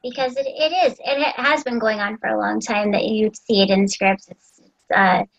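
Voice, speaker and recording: A woman's voice: medium pitch, steady tone, moderate pace, creaky, highs cut off. A woman host and voice actor chatting casually, with a chatty way of talking full of "like" and "you know.". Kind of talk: casual interview chat.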